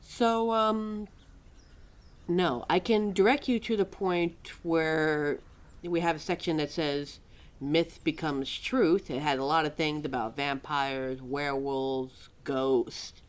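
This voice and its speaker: A woman playing a quirky, exasperated, motherly keeper of forgotten lore in an ad-libbed audio roleplay, chatty and wry with halting, musing asides. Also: deep voice, fairly even intonation. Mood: informative, amused. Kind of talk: ad-libbed ASMR-style roleplay, talking to a listener.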